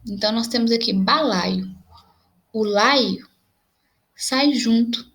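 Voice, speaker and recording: A young adult woman teacher with a Brazilian Portuguese accent, patiently explaining grammar in a video lesson and slowly spelling out examples. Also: on the high side, fairly bright tone.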